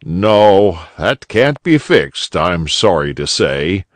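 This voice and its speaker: A man voicing a jolly, kindly old male rabbit gentleman in a storybook reading. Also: sits low, very animated, slow pace, no room sound, exaggerated voice.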